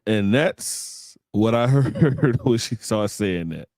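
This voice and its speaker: A man reacts to a clip with jokes and playful asides, laughing as he goes. His pitch moves up and down a lot. The recording is dry and close. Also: expressive, slow pace, a little mellow, no echo, faint music behind. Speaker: reaction commentator. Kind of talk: joking reaction commentary.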